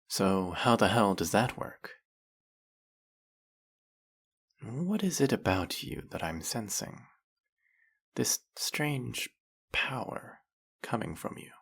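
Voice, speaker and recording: A man playing a centuries-old, brooding vampire hunter in an audio roleplay, questioning with measured, wry menace. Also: lowish voice, gravelly, breathy edge, full character voice. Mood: puzzled, probing. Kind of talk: dramatic audio roleplay, addressing the listener.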